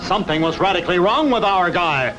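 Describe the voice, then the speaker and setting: A man's voice: sits high, animated, brisk, over music, rough recording. A man narrating a 1960s cartoon in a mock-dramatic announcer style.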